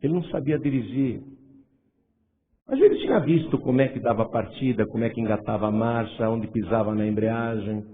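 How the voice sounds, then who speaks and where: A man's voice: medium pitch, a little fast. A man with a Brazilian Portuguese accent, a pastor preaching a sermon in a church hall, telling stories with animation and building to fervent appeals. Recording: tinny lo-fi church recording with long reverb.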